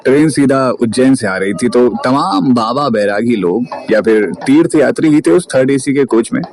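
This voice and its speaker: A man narrating a story in a lively, colloquial way. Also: mid-range voice, normal speed. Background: music.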